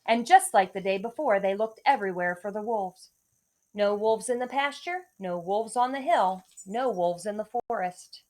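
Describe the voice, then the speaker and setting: A woman reading a story aloud to young children like a teacher, in an expressive storytelling manner. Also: mid-range voice, moderate pace. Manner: expressive, clearly addressing children. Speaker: elementary school teacher reading to pupils.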